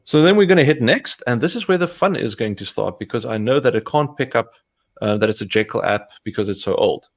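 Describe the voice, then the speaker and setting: A young man with a South African accent, co-hosting a tech stream and talking through a live coding demo step by step in a relaxed way. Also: medium pitch, fairly quick. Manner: talks through steps as he clicks, relaxed. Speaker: co-host, developer advocate.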